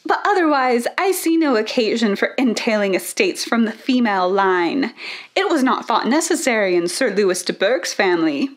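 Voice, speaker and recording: A woman's voice: on the high side, big pitch swings, moderate pace. A woman voicing a haughty, condescending older aristocratic lady in a dramatic reading. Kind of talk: dramatic reading of a novel quote.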